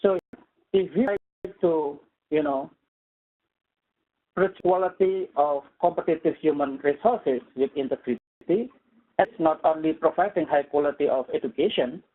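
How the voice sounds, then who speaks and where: Lecturing formally as a visiting professor, this Indonesian-accented man speaks English as a non-native, haltingly. The pitch runs slightly high, heard through thin, phone-like audio.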